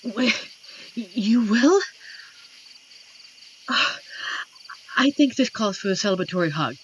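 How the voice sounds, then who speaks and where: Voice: mid-range voice, expressive, fairly bright tone, muffled recording, heavily acted. A performer voicing an amiable, lonely werewolf who protects a forest, speaking tenderly and earnestly in a scripted roleplay addressed to the listener. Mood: happy, comforting. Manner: tender, earnest, playfully corny, hesitant pauses. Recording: clear insect and night ambience behind. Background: crickets and forest night ambience.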